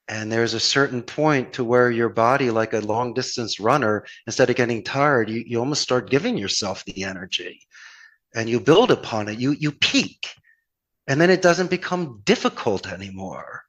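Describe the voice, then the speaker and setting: Over a low-quality recording, a call center owner from Philadelphia talks in a mid-range, slightly bright voice with a Philadelphia accent. As a guest in a conversational podcast interview, he shares motivational anecdotes earnestly and floridly, posing many rhetorical questions.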